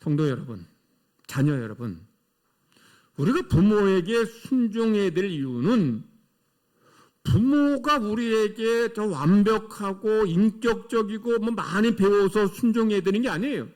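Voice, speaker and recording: A man's voice: high voice, animated, unhurried, darkish tone. A middle-aged male pastor preaching a sermon in church, emphatic, with rhetorical questions to the congregation. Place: church sanctuary.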